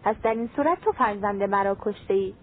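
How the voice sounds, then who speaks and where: A woman's voice: medium pitch, animated, husky, pitched below the performer's own voice. A woman voicing an ancient, white-haired male jinn who speaks in a threatening, relentless way, over a tinny phone-like line. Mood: menacing.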